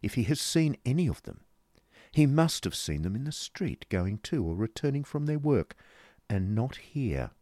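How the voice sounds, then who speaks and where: A man's voice: mid-range voice, sing-song, normal speed, dark tone, no room sound, clean studio sound, pitched above the performer's own voice, natural voice. A man voicing a haughty, businesslike married woman with a genteel, reproving manner in a storybook reading. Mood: brisk, firm.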